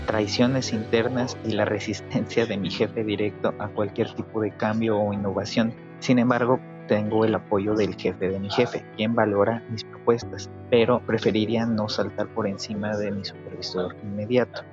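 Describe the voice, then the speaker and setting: A man reading a listener's question aloud in a steady, formal way. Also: fairly low pitch, normal speed, hardly any pauses. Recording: dull lo-fi voice over music. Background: music.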